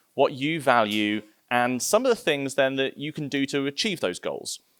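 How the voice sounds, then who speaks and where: Recorded dry and close with no echo, on a very clean recording with a silent background, a man speaks fairly quickly in a fairly high voice. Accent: English. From England. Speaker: RV travel YouTuber giving talk. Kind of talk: presentation to audience. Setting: stage with live audience.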